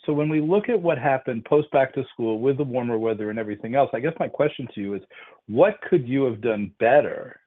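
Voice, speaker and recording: Halting male analyst on a phone line. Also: medium pitch. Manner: halting, roundabout questioning. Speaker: financial analyst asking questions. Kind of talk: earnings call questioning. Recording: dull band-limited phone line.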